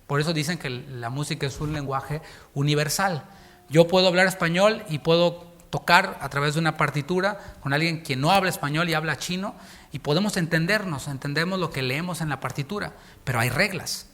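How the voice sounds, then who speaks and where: A Mexican pastor with a fairly high voice and a Mexican Spanish accent preaches a sermon to his church congregation. He reads scripture verses slowly, then explains them in lively, joking asides.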